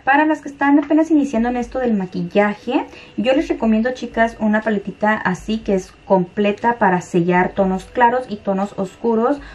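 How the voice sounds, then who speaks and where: A young woman hosts a makeup tutorial in a chatty, friendly way, calling her viewers girls. She explains each step as she shows it, at an easy pace. Her voice sits at an ordinary middle pitch. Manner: chatty, addresses viewers as "chicas", soft-spoken demonstrating.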